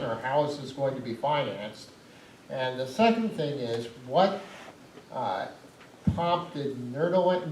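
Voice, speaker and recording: A man in the audience asking a panel questions, speaking loudly and plainly. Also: medium pitch. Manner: loud, plain-spoken questioner. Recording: roomy, distant mic, audible hiss.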